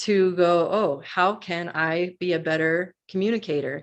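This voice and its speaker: Against a quiet background, a woman with an American accent speaks at a fairly low pitch with fairly even intonation. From Boise, Idaho, US. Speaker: comedian and improv artist. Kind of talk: interview conversation. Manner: loud.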